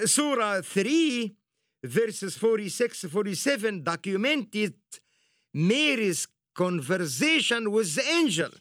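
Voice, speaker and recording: Animated, high-voiced male preacher. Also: dry recording, clean studio sound. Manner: emphatic, animated storytelling with quick laughs. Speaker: Christian TV program host. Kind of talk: preaching to camera.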